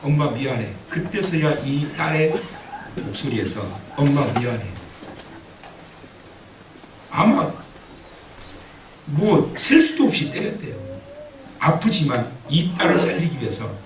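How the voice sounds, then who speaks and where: A man preaching a sermon as pastor, telling a story with acted-out quotes and building to loud exhortation, recorded in a church. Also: a little high, huge pitch swings, normal speed, noisy background. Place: church sanctuary. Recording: echoey church hall, mic at a distance.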